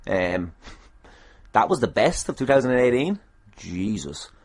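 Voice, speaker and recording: A man's voice: fairly low pitch, very animated, unhurried, darkish tone. An Irish man hosting a podcast, chatting casually in a rambling, dry and self-deprecating way. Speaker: podcast host. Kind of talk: casual solo podcast talk.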